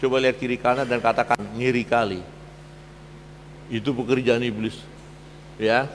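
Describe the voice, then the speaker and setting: A man preaching a sermon as pastor, swinging between loud emphatic peaks and low quiet asides. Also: flat delivery, fairly quick, big-room sound, slight background noise. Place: church hall.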